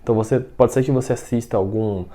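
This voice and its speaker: A man teaching a language lesson with a Brazilian Portuguese accent. He explains patiently, keeps checking in with the learner, and slows right down to model example sentences. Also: medium pitch, steady tone, mellow. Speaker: Mandarin teacher.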